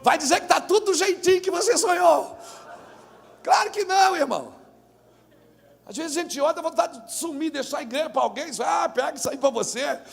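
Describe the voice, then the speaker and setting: A male pastor with a Brazilian Portuguese accent, preaching a lively live sermon at a church conference, telling stories and rising to shouts. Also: very high-pitched, fairly quick, gravelly, pauses often. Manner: animated preaching that builds to shouts; tells stories through acted dialogue.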